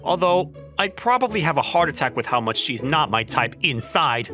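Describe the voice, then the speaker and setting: A man acts out a flustered young office worker in a manga dub. His voice is lively and swings widely in pitch, skeptical and exasperated, with faint music behind it. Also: normal speed. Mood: wistful musing. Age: young adult. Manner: exasperated, incredulous, animated. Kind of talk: manga dub acting with inner narration.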